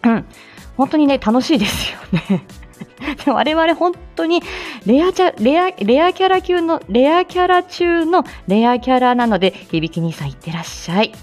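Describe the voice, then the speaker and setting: A woman's voice: high voice, animated, moderate pace, faint music behind. A woman hosting a live stream in a casual, chatty way, often laughing between phrases. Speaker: livestream host.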